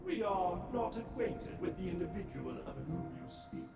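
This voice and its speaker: Courteous butler robot for a game, high and sing-song, with big echo and music underneath. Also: male voice, big pitch swings, normal speed. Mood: courtly. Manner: formal, courteous, fussy about duty. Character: prim polite male butler robot. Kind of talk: video game character dialogue. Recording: echoey and distant, game music behind.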